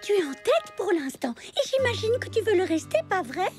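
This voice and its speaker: Assertive, squeaky-high cartoon girl. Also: very animated, a little fast. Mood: friendly. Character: assertive young girl, a twin sister, in a cartoon. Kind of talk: animated children's cartoon dub. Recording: music behind the voice.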